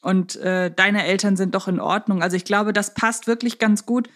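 A woman's voice: mid-range voice, steady tone, normal speed. Female podcast co-host, conversational and discursive, mid-range voice. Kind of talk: casual chat about audio dramas.

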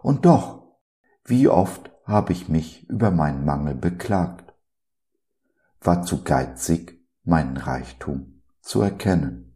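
Deep, slow-spoken devotional podcast man. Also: expressive, mellow. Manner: earnest, preacherly, full of rhetorical questions. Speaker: podcast host.

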